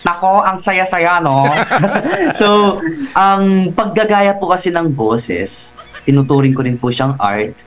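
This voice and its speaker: A man's voice: high voice, expressive, slow, a crowd in the background, rough recording. A man, a voice artist guest in a casual radio interview, talking animatedly and sometimes slipping into voices.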